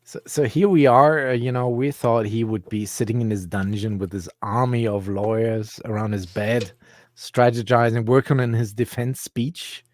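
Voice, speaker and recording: A man's voice: medium pitch, fairly even intonation, moderate pace, no echo. A man hosting a casual crypto podcast, chatty and laughing often. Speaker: host.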